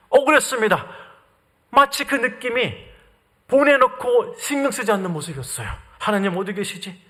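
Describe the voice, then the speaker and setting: A man's voice: high-pitched, pushed and bright. A middle-aged man from Korea preaching a sermon as a missionary, telling his story with earnest rhetorical questions to the congregation.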